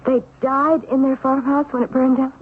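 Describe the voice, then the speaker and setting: Actress as an anxious, soothing wife, thin radio sound. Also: female voice, high-pitched, level tone, moderate pace, natural voice. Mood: worried. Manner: earnest, reassuring. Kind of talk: 1970s radio drama acting. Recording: narrow-band old radio recording, faint noise.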